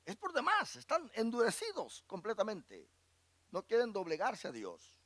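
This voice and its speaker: A man preaching a sermon as pastor, swinging between loud high bursts and quiet low asides, calling the listeners brother and asking them questions. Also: wildly swooping pitch, moderate pace, dry recording.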